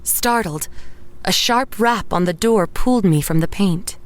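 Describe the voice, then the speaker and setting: An actress playing a haunted woman painter who narrates horror in a measured, literary way. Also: mid-range voice, loud music behind the voice, close to an everyday voice. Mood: uneasy, haunted. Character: haunted woman painter narrating her own murder, dazed and grim. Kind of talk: first-person horror audio drama narration.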